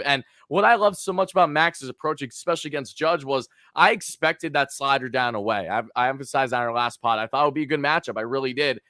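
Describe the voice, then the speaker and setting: A man hosting a sports podcast, talking in a casual, excited way, his voice hoarse from cheering. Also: fairly high pitch, dry recording, clean studio sound. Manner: excited, fan-like, hyped. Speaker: podcast host.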